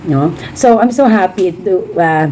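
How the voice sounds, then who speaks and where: A woman's voice: lowish voice, expressive, unhurried, mellow, slight background noise. A Filipino woman vlogger chatting casually to her viewers, mixing Tagalog and English, often adding a questioning "no?", slightly under the weather. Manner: chatty, mixes Tagalog and English, frequent "no?" tag. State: feeling a bit unwell. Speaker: vlogger, small shop owner. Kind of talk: casual chat to camera.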